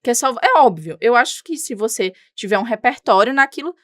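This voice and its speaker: A woman's voice: fairly high pitch, lively intonation, a little fast, dry recording, clean studio sound. A young woman with a regional Brazilian accent, a reporter talking as a podcast guest, emphatic and indignant. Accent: Brazilian Portuguese, regional. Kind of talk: casual interview talk.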